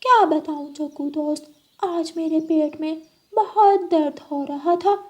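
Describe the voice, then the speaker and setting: A scheming black cat in a children's cartoon, put on by a woman, sweet-talking her way along and dropping meows into her lines. The voice sits well above the woman's own, bright and girlish, and the pace is unhurried. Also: high voice, pitched above the performer's own voice. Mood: coaxing.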